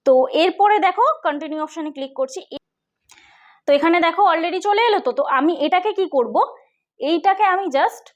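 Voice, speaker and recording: A woman's voice: extremely high pitch, fairly quick. A woman with a West Bengal accent hosting a tech vlog, explaining things chattily and often checking with listeners. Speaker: tech channel host. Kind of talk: casual tutorial vlog.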